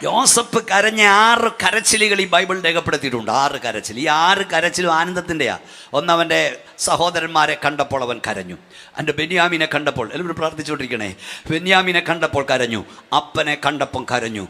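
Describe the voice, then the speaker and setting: Fervent preaching man, bright high voice. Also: animated, fairly quick. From Kerala, India. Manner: fervent preaching, rising to shouts, urging clapping and praise. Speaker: pastor. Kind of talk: Malayalam Pentecostal sermon. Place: church gathering at night.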